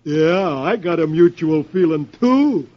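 A man's voice: fairly high pitch, expressive, measured pace. A man doing a dopey young army private. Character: dim-witted young male army private, copycat. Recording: lo-fi old radio broadcast.

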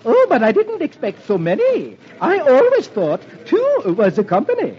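A man's voice: extremely high pitch, huge pitch swings, normal speed, voice pushed up, heavily acted. A man voicing a prim, gushing rich society lady in a fluttery, genteel manner, on a dull old radio recording.

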